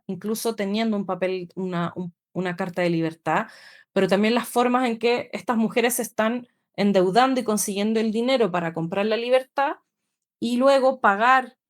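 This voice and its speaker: A woman giving an academic lecture over a video call, pausing with fillers and tag questions. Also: mid-range voice. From Chile. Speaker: guest lecturer.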